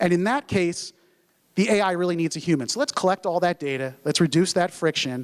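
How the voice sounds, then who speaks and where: With lively intonation and a high pitch, a man is heard on a very clean recording with a silent background and a dry, close sound with no echo. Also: fairly quick pace. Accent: Philadelphia. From US, Philadelphia. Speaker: conference speaker on conversational AI. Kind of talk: conference presentation.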